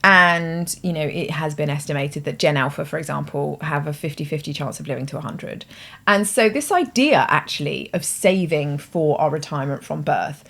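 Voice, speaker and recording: A woman's voice: low voice, moderate pace, gravelly, fairly bright tone. A British woman hosting her own show, explaining ideas in a thoughtful, conversational way with hedging asides. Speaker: host. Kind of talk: explanatory talk to camera.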